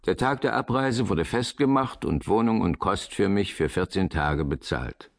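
A man narrating a radio drama in the first person, looking back on his childhood in a measured, reflective way. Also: sits low, animated, creaky.

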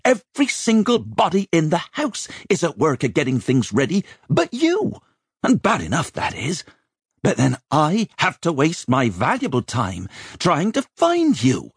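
A bony, bad-tempered older woman in charge of the maids, acted out by a male narrator. The voice is pushed high and swings wildly as it scolds, exasperated, in storybook style with a husky edge. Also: wildly swooping pitch, unhurried, dry recording, studio quality, exaggerated voice. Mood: scolding, exasperated. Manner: barking, exasperated, dramatic swoops. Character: cross, scolding, bony older head chambermaid. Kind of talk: audiobook character voice.

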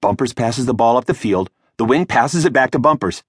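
Wild, high play-by-play announcer, narrator putting it on; dry close read. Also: male voice, animated, fairly quick, husky, dry recording. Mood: thrilled. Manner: breathless play-by-play calling. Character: excited boy sports announcer, loud.

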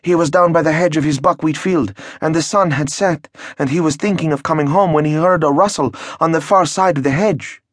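Excitable, frightened village peasant read by a man, high and breathless, storybook reading. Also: moderate pace, hardly any pauses, no room sound, studio quality, close to an everyday voice. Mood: frightened, excited. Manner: breathless, fearful gossip.

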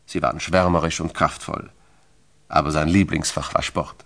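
A man's voice: rumbling low, steady tone, normal speed, a bit bright. A man narrating a biography from a script in a dramatic, emphatic and solemn storytelling style.

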